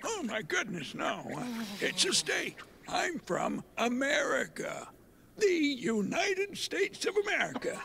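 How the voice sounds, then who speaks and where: In a cartoonish character voice, a man speaks at an extremely high pitch with very wide pitch swings and a fairly slow pace, over clear background noise. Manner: folksy, proud.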